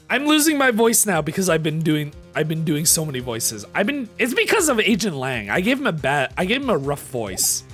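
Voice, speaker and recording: A woman streaming a game, animated and laughing, her voice going hoarse. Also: low-pitched, moderate pace, soft background music. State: losing her voice. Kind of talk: live game playthrough with voiced reading.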